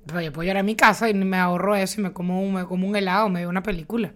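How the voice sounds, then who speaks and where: A woman's voice: mid-range voice, steady tone. A woman with a Venezuelan accent co-hosting a podcast, playful and teasing in casual chat. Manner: playful, teasing, quick to mock. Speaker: podcast co-host.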